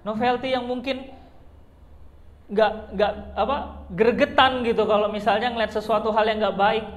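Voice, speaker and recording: A young man preaches in a loose, conversational way, tossing out rhetorical questions and filler words as he goes. His voice sits fairly high. The sound carries the ring of a reverberant church hall. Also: steady tone, moderate pace. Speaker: pastor. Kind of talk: sermon.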